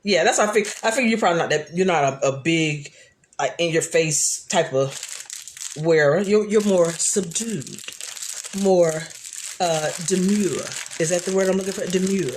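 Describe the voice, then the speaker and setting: A woman, hosting a casual live jewelry chat, loud and laughing often, with many restarts. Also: fairly low pitch, normal speed, a little hiss or hum. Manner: chatty and animated, frequent restarts.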